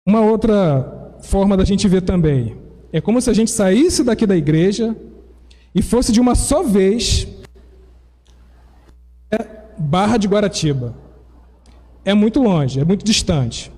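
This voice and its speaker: A Brazilian pastor preaches in a church, explaining each point patiently like a teacher. His voice sits high but sounds mellow. A long reverb from the church hall trails behind his words. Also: animated, unhurried, long pauses. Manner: explanatory, teacherly, with self-corrections. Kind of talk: sermon.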